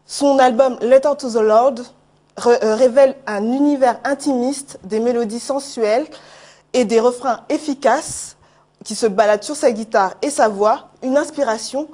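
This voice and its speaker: A woman presenting a music segment on a TV news set, speaking in a lively, flowing way. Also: a little high, moderate pace. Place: TV studio.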